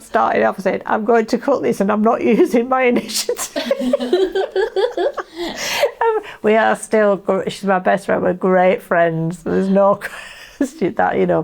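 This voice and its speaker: A woman's voice: medium pitch, creaky, a little mellow. A woman in casual conversation who tells personal stories with frequent laughter and self-deprecating humor. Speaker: podcast guest sharing carer experiences.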